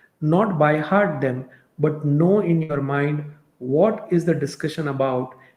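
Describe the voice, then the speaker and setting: Using an Indian accent, a man with a fairly high pitch and a dark, mellow tone speaks somewhat breathily at a fairly slow pace. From India, Pune. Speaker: software engineer, career YouTuber. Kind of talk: advice talk to camera. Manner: slow, deliberate.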